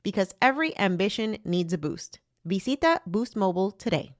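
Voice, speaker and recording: A woman delivers a scripted podcast ad in a dry, close sound. Her pitch is average, and she slips between English and Spanish. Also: very animated, normal speed, dry recording. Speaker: podcast host reading an ad. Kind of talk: scripted bilingual ad read.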